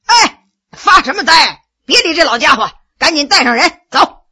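A woman voicing a brash, swaggering male army officer who shouts orders. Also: high-pitched, very animated, moderate pace, husky, heavily acted. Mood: blustering. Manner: blustering and loud.

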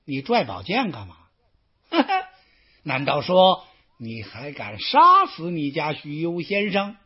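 A man voicing an arrogant, self-important male advisor who taunts in a husky, sneering tone. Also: on the high side, wildly swooping pitch, slow, exaggerated voice. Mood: taunting. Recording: dull lo-fi recording.

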